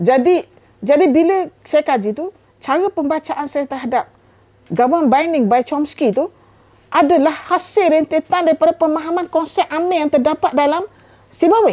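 A woman's high pitch at a moderate pace, with ordinary pitch variation. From Kelantan, Malaysia (Pasir Mas); Kelantan, Malaysia. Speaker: professor of Arabic language and literature; professor of Arabic language. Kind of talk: interview. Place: office.

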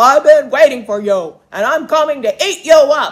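A woman performs a cartoonish character voice. Her pitch sits high. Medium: puppet.

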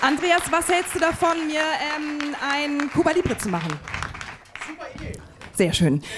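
Against crowd noise in the background, a woman talks at a moderate pace with very wide pitch swings. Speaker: talk show host. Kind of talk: live talk show banter. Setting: club with live audience. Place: bar. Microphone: handheld.

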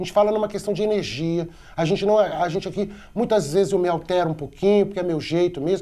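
Speaking very fast, a man delivers his words in a dark, mellow tone. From Brazil. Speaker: Afro-Brazilian religious leader and TV host. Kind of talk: spiritual advice TV program. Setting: studio. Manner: halting. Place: home room.

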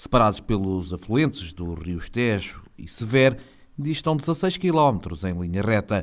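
Recorded very cleanly against a silent background, a man with a fairly low pitch speaks at a very slow pace with lively intonation. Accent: European Portuguese. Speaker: news reporter. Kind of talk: news reading. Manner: formal.

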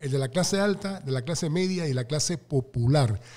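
A man speaks in a dark, mellow, somewhat breathy tone. His intonation is lively and his pace moderate. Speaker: politician guest. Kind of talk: interview answer. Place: studio. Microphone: studio mic.

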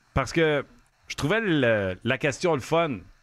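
Against a quiet background, a man with a Quebec accent and a fairly high pitch speaks with very wide pitch swings. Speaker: sports radio host. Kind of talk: casual chat. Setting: studio. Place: studio. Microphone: studio mic.

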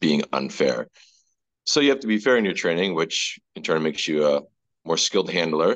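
A man is speaking. His voice has vocal fry. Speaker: guest. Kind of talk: interview answer. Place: open country. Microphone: video call.

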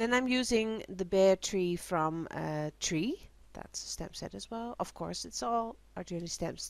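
A woman speaks with a Dutch accent at a fairly slow pace. The recording is very clean, with a silent background. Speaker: crafting video maker. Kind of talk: tutorial. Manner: halting, many fillers.

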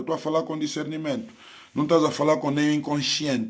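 Speaking at a very fast pace, a man sounds animated. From Angola. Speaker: political live streamer. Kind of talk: livestream political rant.

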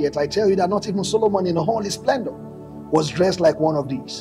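Clear music plays in the background as the speaker goes at a fairly quick pace. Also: man. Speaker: pastor preaching. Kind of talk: sermon. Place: church.

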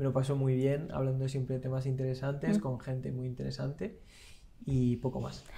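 A man's somewhat breathy voice moves fairly quickly, with ordinary pitch variation. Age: 20s. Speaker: arts foundation representative; guest. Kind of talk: interview. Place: studio. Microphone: lapel.

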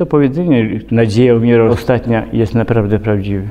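A man is speaking. He goes at a very fast pace. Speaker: recovering alcoholic, formerly homeless. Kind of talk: personal testimony interview. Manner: casual, conversational. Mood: reflective, earnest. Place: home room.

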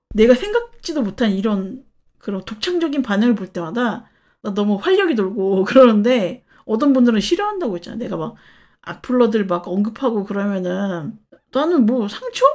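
Lively intonation from a woman at a moderate pace, set against a quiet background. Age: 40s. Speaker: YouTuber. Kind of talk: live stream chat. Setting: live stream from home. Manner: animated. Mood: joking, animated. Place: home room. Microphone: lapel.

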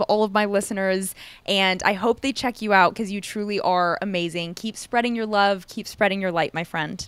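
Her tone is warm and upbeat as a woman talks at a fairly quick pace with ordinary pitch variation. The sound is dry, with no echo. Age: 20s. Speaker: podcast host, yoga teacher; podcast host. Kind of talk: casual interview chat; interview conversation. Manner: warm, upbeat, enthusiastic. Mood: warm, enthusiastic. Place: home room. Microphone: handheld.

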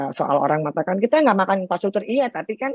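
A woman speaks at a very fast pace, the sound dry with no echo. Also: quiet background. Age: 50s. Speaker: pediatrician; interview guest. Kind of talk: interview. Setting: remote recording. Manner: halting. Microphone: earbuds.

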